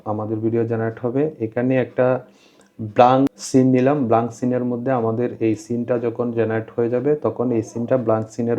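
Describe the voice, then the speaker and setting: A man gives an informal screen tutorial in a medium-pitched voice. He explains each step plainly and often repeats himself, on a somewhat muffled, lo-fi recording. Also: warm tone. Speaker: tutorial presenter. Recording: dull, lo-fi voice-over.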